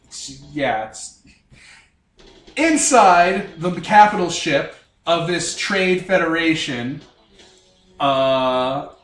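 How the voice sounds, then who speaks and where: A man's voice: a little high, animated, extremely slow, pauses often, a bit bright, roomy sound, far from the mic, soft background music. A man running a tabletop game as game master, setting scenes with wry, jokey narration.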